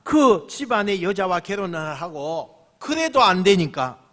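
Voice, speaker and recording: A man's voice: high voice, very animated, measured pace, sharp tone. A male senior pastor preaching a sermon emphatically, repeating phrases and putting questions to the congregation.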